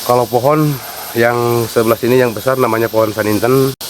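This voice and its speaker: A man with a Sundanese accent, a site guide from West Java, explains things without hurry and with many fillers, speaking a little fast in a steady mid-range voice. The casual interview is recorded outdoors at a wooded sacred site, and the recording is rough with slight background noise.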